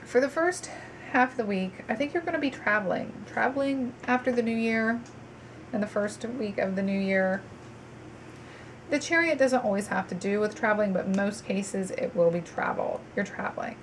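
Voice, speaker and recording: A tarot reader, stuffy and congested with a cold, gives viewers a chatty reading full of ums and restarts. Her mid-range voice moves at a moderate pace, and the low-quality recording carries a little hiss or hum.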